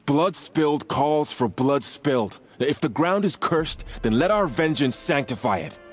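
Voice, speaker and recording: An actor playing a loyal young tribal warrior in a video game, speaking in an earnest, solemn manner. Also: male voice, fairly high pitch, lively intonation, measured pace. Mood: impassioned pleading. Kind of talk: dramatic video game acting.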